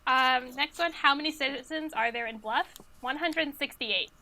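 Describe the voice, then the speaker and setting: A woman's voice: high-pitched, normal speed, heavy background noise. A woman reading out quiz questions and chatting casually as the host of a group trivia game.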